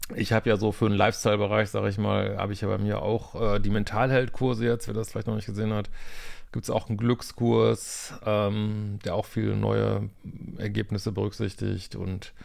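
A man speaks at a moderate pace with a fairly low pitch. His intonation is monotone and flat, over a quiet background. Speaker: vlogger. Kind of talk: casual vlog chat. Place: home room. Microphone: webcam.

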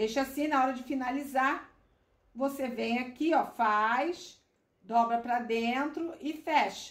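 The voice moves at a very slow pace, with audible room echo around it. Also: woman, high pitch for a woman, ordinary pitch variation. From Niterói, Rio de Janeiro, Brazil; Rio de Janeiro, Brazil. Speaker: sewing and craft instructor; craft instructor. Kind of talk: tutorial. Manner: animated. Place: workshop. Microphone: phone near.

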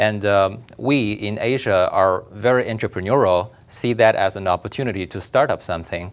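A man with a Chinese accent speaks at a moderate pace with hardly any pauses, his fairly low voice showing ordinary pitch variation. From China, Beijing. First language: Mandarin Chinese. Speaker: blockchain entrepreneur; guest. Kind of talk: interview. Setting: studio. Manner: hesitant with many fillers. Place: studio. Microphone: lapel.

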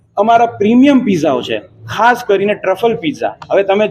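A man's voice with ordinary pitch variation. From Mumbai, India. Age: 20s. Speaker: restaurant owner and software engineer. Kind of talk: interview.

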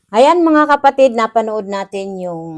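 A woman's lively intonation at a moderate pace, in a dry, close sound with no echo. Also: very clean recording, silent background. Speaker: YouTube reaction vlogger. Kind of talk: casual commentary on a reacted video. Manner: halting, many fillers.

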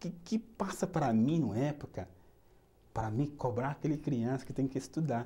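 With a Nigerian accent, this somewhat breathy voice has a dark, mellow tone, lively intonation and a moderate pace. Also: man. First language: Yoruba (speaking Portuguese). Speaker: cultural educator. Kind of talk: life-story interview. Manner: halting. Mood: warm, smiling, animated. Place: studio.

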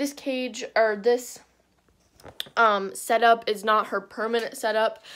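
This is a woman speaking. Her intonation stays fairly even. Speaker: pet vlogger. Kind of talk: casual vlog chat. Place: home room. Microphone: phone near.

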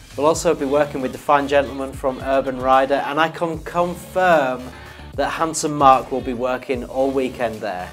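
Faint music sits in the background. The speech moves at a fairly quick pace with ordinary pitch variation. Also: man. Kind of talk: promotional piece to camera. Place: studio.

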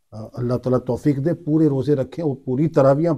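A man's fairly high pitch, a dark, mellow tone, ordinary pitch variation, and a moderate pace, against a quiet background. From Pakistan. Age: 40s. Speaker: imam. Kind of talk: interview. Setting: mosque. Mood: calm, earnest. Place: church. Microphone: lapel.

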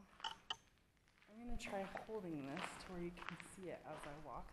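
Loud background noise fills the clip. A woman talks over it. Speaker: paranormal investigator vlogger. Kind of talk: casual vlog chat. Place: tunnel cave. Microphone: phone near.

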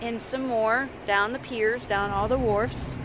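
A woman speaks at a fairly slow pace in a dry sound with no echo, with noticeable background noise. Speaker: travel vlogger. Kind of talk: casual vlog chat. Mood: cheerful, playful. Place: waterside. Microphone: phone near.

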